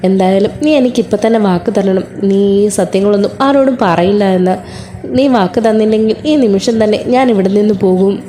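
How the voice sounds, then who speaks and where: A woman voicing a gentle, self-sacrificing young elder sister who soothes and begs her brother while retelling a serial. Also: mid-range voice, brisk, a little hiss or hum, natural voice. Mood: pleading.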